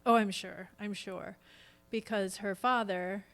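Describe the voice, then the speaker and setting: A woman speaks as an interview guest on a podcast. Her voice is medium in pitch, and she talks in a conversational, chatty way, happily explaining details. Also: steady tone, unhurried, fairly bright tone. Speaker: guest, stage actress. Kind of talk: casual podcast interview chat.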